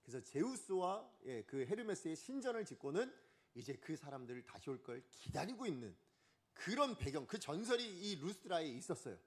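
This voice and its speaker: A man's voice: fairly high pitch, brisk. A man preaching a Sunday morning sermon as pastor, asking the congregation questions and acting out quotes. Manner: lively, asks the congregation questions and acts out quotes. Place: church sanctuary.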